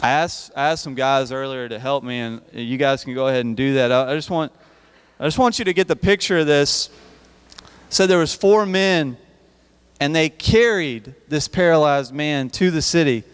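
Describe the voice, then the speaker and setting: A man's voice: on the high side, normal speed, clear, resonant tone. Man preaching to youth in a reverberant hall. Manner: conversational, repeats words and restarts. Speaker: youth speaker. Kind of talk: youth service sermon. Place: church hall.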